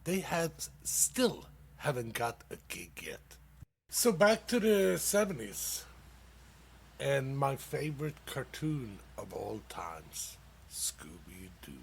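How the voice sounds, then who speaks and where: A man from Sweden, hosting a dad-joke comedy show and laughing loudly at his own punchlines. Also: mid-range voice, very animated, slow, gravelly, slight background noise. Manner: casual, calls listeners dude. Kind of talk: dad-joke stand-up on internet radio.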